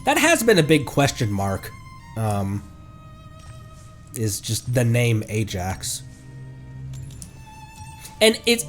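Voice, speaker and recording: Congested young man, lively rambling streamer. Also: fairly high pitch. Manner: rambling, hesitant with many ums; sudden loud excited outbursts. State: stuffed up, congested sinuses. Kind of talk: casual gameplay chat.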